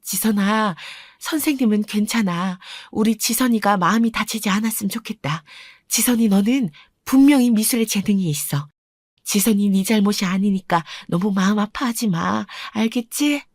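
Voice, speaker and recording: A woman voicing a kind schoolteacher who speaks gently and reassuringly in a radio story drama. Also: mid-range voice, moderate pace, dry recording, clean studio sound, close to an everyday voice. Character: kind, comforting female schoolteacher.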